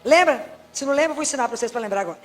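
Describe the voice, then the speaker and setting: A Brazilian woman with a Brazilian Portuguese accent, a Catholic preacher giving a sermon to a live congregation, lively and full of rhetorical questions to the audience. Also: high voice, racing.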